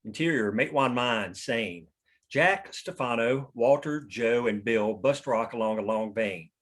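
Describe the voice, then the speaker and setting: A man's voice: medium pitch, measured pace, fairly bright tone. A man reading scene headings and action lines at a script table read, in scripted narration. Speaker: stage directions reader at a script table read.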